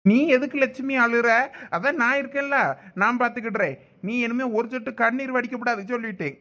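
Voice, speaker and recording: A man's voice: very high-pitched, brisk, bright, forceful tone, full character voice. A man with a Thoothukudi Tamil accent voicing a defiant, protective village husband in a cartoon. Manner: firm and defiant. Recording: dull lo-fi audio.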